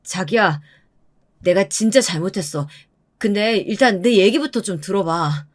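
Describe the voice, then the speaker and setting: A woman's voice: medium pitch, expressive, a little slow. A woman voicing a sheepish cheating husband who talks hesitantly and tries to placate, in a radio drama. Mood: placating.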